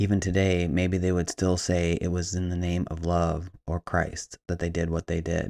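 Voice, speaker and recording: In a very clean recording with a silent background, a man speaks in a very deep, low pitch with monotone, flat intonation and hardly any pauses. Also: moderate pace. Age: 40s. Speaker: podcast host and author. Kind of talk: personal monologue. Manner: casual, filler-heavy.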